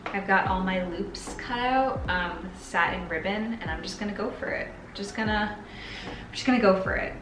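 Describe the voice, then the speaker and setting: Casual and bubbly, a woman in her twenties chats playfully and hyperbolically on her sewing vlog. Her voice sits mid-range at a normal speed, over a noisy background with music and a roomy echo.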